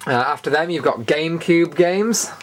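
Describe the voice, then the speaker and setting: A man's voice: a little high, moderate pace. British man giving a casual tour. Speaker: host of a retro gaming show. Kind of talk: casual room tour narration.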